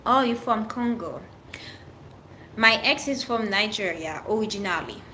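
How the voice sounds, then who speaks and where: Haitian woman w french accent, talks open n earnest in short bits, mid pitch, bit of noise behind. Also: expressive, unhurried, bright, forceful tone. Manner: open, earnest, speaks in short fragments with restarts. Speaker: livestream host. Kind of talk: casual livestream chat answering viewers.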